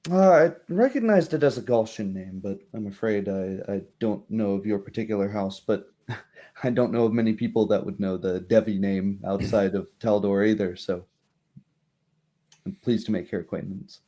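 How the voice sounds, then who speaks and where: A man's voice: on the low side, normal speed, dark tone, close to an everyday voice. A man voicing a courteous, concerned baroness in a tabletop game, formal and hesitant in speech. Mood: polite, measured. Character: courteous, concerned noblewoman, a baroness hosting guests.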